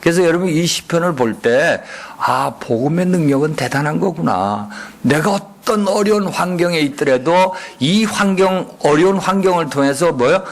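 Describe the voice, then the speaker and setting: 예배당에서 설교하는 중년 남성 목사로, 회중에게 수시로 질문을 던지고 응답을 유도한다. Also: male voice, fairly high pitch, animated, normal speed, few pauses. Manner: call-and-response, frequent rhetorical questions. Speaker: guest pastor. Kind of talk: sermon. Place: church sanctuary.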